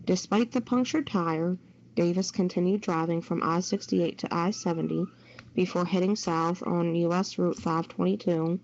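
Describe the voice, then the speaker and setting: Female news reader for amateur online radio, lower register, lo-fi muffled sound, faint noise behind. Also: steady tone, normal speed, a little mellow. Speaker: co-presenter reading a news story. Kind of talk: reading a local news report aloud. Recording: muffled voice-chat audio with background noise.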